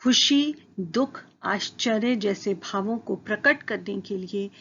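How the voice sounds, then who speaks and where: A woman teacher giving a slow, careful, scripted school lesson. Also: medium pitch, a bit bright, breathy edge, lo-fi sound. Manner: slow, careful, deliberate delivery.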